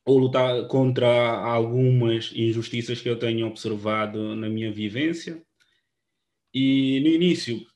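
A man in his thirties, born in Guinea-Bissau and raised in Portugal, giving an informal presentation on a video call. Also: medium pitch. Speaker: photographer presenting his project at a debate. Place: indoor room on a video call. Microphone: computer microphone on video call.

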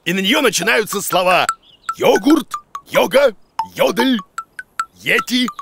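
A bearded cartoon creature teaches with muddled, boastful drama. The delivery swings widely in pitch and crackles with gravel as he grumbles and exclaims. Music plays behind him. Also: animated, normal speed. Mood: pompous, muddled. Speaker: teacher, main character. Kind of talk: children's cartoon voice acting.

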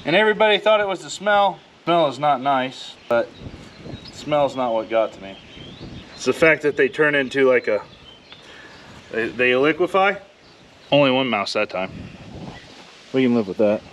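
A man's voice: mid-range voice, lively intonation, moderate pace, long pauses. A man in his forties from Iowa, a farmer narrating his work outdoors in a casual, folksy way, talking to the camera. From Iowa, USA. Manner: plainspoken, folksy, thinking aloud while working. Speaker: farmer vlogger. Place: outdoors on a farm, by a barn and machinery. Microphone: head-mounted action camera. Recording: loud machinery noise. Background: engine and machinery clatter.

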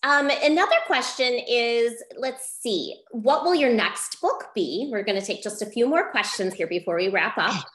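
Lively woman host in an echoey room. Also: fairly high pitch, normal speed, few pauses. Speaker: host, book publisher. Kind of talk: moderating a question-and-answer session for children. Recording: roomy echo on a video call.

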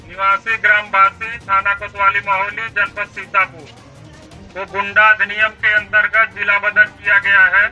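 A man proclaims an official order like a town crier, in a high and piercingly bright voice that stays on one level. He breaks it into short, formal phrases, and it comes through dull and lo-fi from an outdoor announcement. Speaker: police officer making a public announcement. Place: outdoors in a village street.

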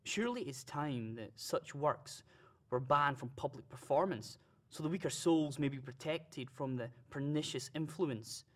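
A man's voice: a little high, lightly acted. Prim newspaper writer, played by a man. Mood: solemn, disapproving. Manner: formal, prim, measured. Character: prim, moralising 18th-century male newspaper writer. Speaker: actor. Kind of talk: radio play, reading out a report.

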